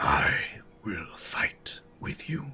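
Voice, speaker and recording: A man whispers in a put-on character voice. The whisper is raspy. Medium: actual play. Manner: formal, measured.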